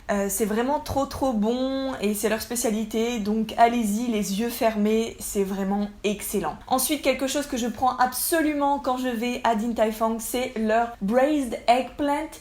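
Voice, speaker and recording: A woman's voice: fairly high pitch, darkish tone. A young woman narrating a casual travel vlog, chatty and enthusiastic as she gushes about food. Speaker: travel vlogger.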